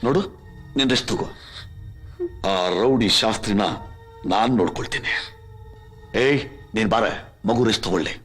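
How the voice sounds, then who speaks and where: A man's voice: fairly low pitch, normal speed, long pauses, fairly bright tone, faint music behind, natural voice. A middle-aged man playing a powerful, arrogant father who barks orders and boasts of his reach. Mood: boastful soothing. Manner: barking orders, boastful, dismissive. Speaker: supporting actor in a feature film. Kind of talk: dramatic film acting. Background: film score.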